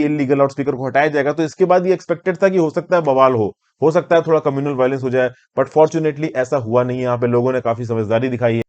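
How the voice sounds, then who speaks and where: Indian male educator, slightly high voice, explanatory lecture style, conversational, English terms mixed in, rhetorical questions. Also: a little mellow, highs cut off. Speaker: educator and presenter of current affairs lessons. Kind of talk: explanatory lecture for exam students.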